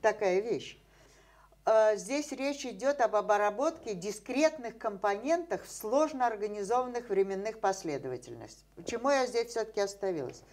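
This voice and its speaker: An older woman talks as a scientist guest on an interview program, her voice at an ordinary middle pitch. She explains animatedly, scattering fillers and rhetorical questions, recorded seated indoors in a dim room. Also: expressive, moderate pace, few pauses, darkish tone.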